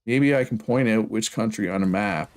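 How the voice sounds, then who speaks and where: A man's voice: lowish voice, normal speed. A man with a Prince Edward Island Canadian accent chatting casually to viewers on a game livestream in a rambling way. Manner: rambling, often checks with "right?".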